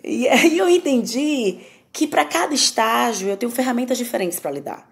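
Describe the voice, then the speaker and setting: A woman's voice: a little high, expressive, normal speed, creaky, a little hiss or hum. A woman with a Brazilian Portuguese accent, a psychoanalyst guest talking candidly and emphatically on a podcast. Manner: candid, emphatic, self-mocking. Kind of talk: conversational podcast talk.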